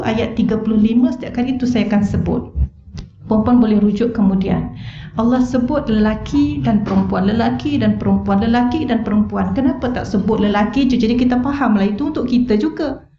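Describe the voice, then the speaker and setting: A woman's voice: a little high, dark tone. A middle-aged Malaysian woman giving a religious lecture in a mosque hall, earnest and asking the audience rhetorical questions. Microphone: wireless mic. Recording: roomy, dull-toned hall recording.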